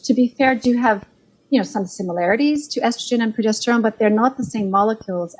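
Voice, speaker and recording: A woman's voice: mid-range voice, breathy edge, poor audio. Earnest Canadian woman explaining research. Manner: earnest, explanatory, building detailed points. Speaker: guest, clinician and author. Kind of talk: podcast interview over a call.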